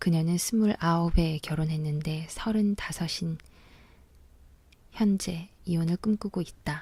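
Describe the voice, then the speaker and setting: A woman's calm, soothing voice, dark and mellow, somewhat breathy, fairly low in pitch, at a very slow pace with fairly even intonation. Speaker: book reader, audiobook narrator. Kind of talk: book reading, essay narration with music. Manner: calm, soothing, ASMR-like.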